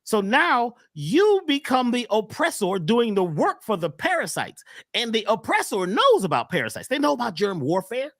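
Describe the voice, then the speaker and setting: A man talking as a wellness coach on a talk show, emphatic and repetitive, often jumping high on key words. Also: wildly swooping pitch, normal speed, a bit bright, no room sound, clean studio sound. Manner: emphatic, repeats phrases, swoops up on key words. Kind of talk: animated talk-show conversation.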